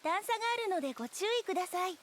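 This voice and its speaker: A woman's voice: very high-pitched, animated, rapid-fire, slight background noise. A woman voicing a chirpy, polite, talkative young female robot guide in a Japanese anime, chattering in formal, courteous phrases. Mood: polite, obliging.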